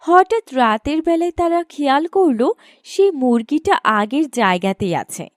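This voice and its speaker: High-pitched woman narrating a children's story. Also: lively intonation, normal speed, no echo, clean studio sound.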